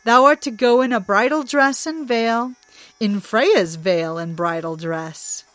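In a storybook reading, a woman with a voice on the high side plays a cunning male trickster god, speaking slyly and teasingly with drawn-out mockery. There's no room sound, just faint music behind her.

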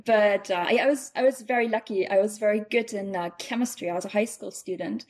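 A woman's voice: medium pitch, a little fast. A young woman from Germany, a scientist guest answering interview questions modestly and thoughtfully. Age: young adult. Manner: modest, thoughtful, laughs often. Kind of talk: podcast interview.

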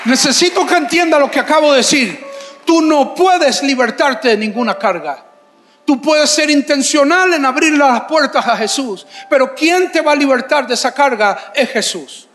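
High-voiced preacher man in his forties. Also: moderate pace, a faint crowd. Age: 40s. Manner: animated preaching that rises to shouts. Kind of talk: sermon. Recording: long hall reverb with faint music.

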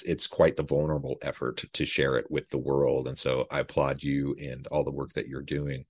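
A man hosting a podcast interview, reading the guest's bio formally and with enthusiasm. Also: a bass voice. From United States. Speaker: podcast host. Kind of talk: podcast interview with scripted intro.

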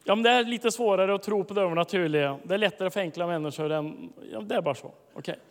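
A man preaching a sermon to a congregation, telling a story with sudden loud, high-pitched bursts of emphasis. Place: large hall, preaching to a congregation. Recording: long hall reverb.

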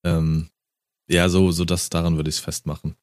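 Low dark-voiced guy, blunt podcast chat, swears a lot, dry sound. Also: flat delivery, normal speed, no echo. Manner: blunt, swears casually, laughs often. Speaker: podcast co-host.

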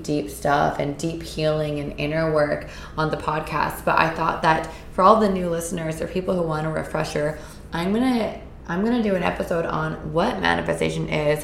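Raspy, hoarse woman podcast host. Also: deep voice, echoey room, a little hiss or hum. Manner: upbeat, earnest, with filler words. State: hoarse, recovering from a cold. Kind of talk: casual solo podcast talk. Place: indoors in Costa Rica.

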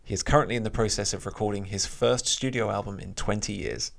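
Gravelly low-voiced man. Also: quick pace. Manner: relaxed, hesitant, reads a short bio aloud. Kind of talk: casual chat.

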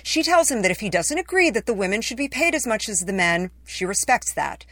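A woman's voice: medium pitch, expressive, fairly quick, a bit bright, no echo. A woman reading her own personal essay as scripted narration, in a conversational, wry storytelling way.

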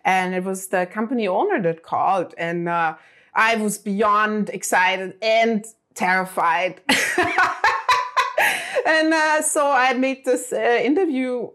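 A woman's voice: mid-range voice, slow pace, fairly bright tone. Middle-aged woman, German native speaker, chatty storyteller, mid-range voice. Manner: chatty, many fillers and restarts. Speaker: interview guest. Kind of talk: casual storytelling.

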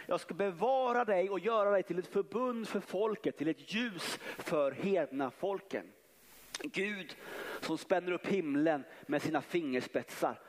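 A man preaching a fervent sermon, reading scripture with emphatic pauses. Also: sits high. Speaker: pastor. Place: church sanctuary. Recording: long church reverb.

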